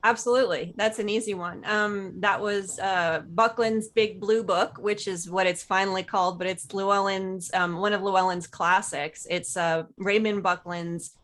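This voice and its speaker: A woman guest in a casual interview, reflective and quick to laugh. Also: mid-range voice, steady tone, a bit bright. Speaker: guest author.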